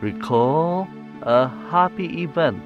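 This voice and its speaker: A man with an Asian accent leads a guided meditation as its master. His voice sits a little high and moves slowly, in reverent, deliberate phrases with soft music underneath. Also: lively intonation, lo-fi sound. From Philippines.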